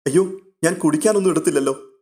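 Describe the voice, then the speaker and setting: A man voicing an eager, chatty young girl who reports news excitedly. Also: fairly high pitch, fast, voice pushed up, lightly acted.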